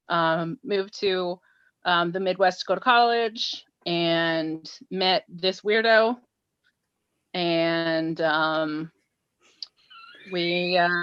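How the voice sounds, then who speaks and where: A woman from Texas chats beside her husband on a livestream, playful and quick to joke. Her voice sits on the low side. The sound is dry and a little dull, as if muffled. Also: a bit bright, clear, resonant tone, no echo. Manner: playful, joking, chatty. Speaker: host's wife, co-host. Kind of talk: casual livestream chat.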